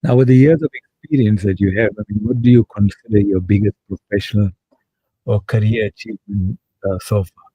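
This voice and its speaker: Mellow male interviewer, measured questions. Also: fairly low pitch, steady tone, husky, dry recording, poor audio. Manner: measured, inquiring. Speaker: co-host.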